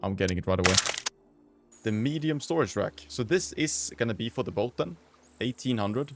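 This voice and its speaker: Excitable man narrating his gameplay. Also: fairly low pitch, normal speed, very noisy. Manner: excitable, exclaims often, casual slang. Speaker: gaming video host. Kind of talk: casual gameplay commentary.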